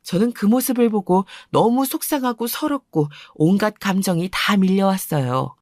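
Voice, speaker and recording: Calm woman narrating a life story. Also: normal speed, no room sound, studio quality. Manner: calm, lower confiding narration. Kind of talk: scripted first-person story narration.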